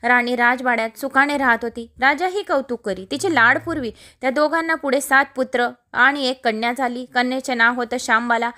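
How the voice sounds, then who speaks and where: A woman narrating a devotional story in a steady, recited storytelling manner. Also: sits high, normal speed, few pauses.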